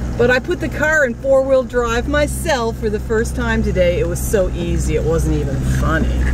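Music plays clearly in the background. The speech moves at a moderate pace. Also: dry sound with no echo. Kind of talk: casual vlog chat. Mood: cheerful, amused. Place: car. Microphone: phone near.

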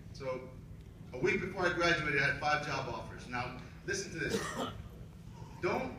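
Amid noticeable background noise and audible room echo, a man with a high pitch speaks at a moderate pace. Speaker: commencement speaker, former biochemist and radio DJ. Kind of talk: graduation speech. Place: hall.

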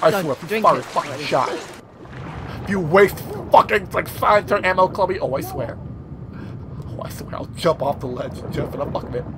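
A fairly quick delivery with noticeable background noise behind it. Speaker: gameplay video commentator. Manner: excitable, profane, fast.

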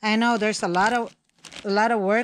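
Light background noise runs under the voice. The sound is dry, with no echo. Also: woman. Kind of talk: casual vlog chat. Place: home room. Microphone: phone near.

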